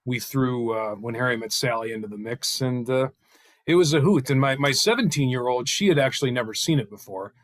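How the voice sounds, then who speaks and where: A middle-aged man talks casually on a video call. His voice sits at an ordinary pitch, and he often breaks off to find the next phrase. The sound is dry, with very little room around it. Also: fairly quick, dry recording. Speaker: table read participant. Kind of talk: casual chat.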